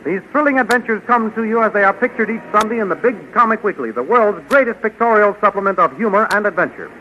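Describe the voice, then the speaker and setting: A man's voice: high-pitched, expressive, fast, a little hiss or hum. A man announcing and narrating a 1930s radio serial in a formal, declamatory manner. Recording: dull lo-fi 1930s radio recording. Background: music.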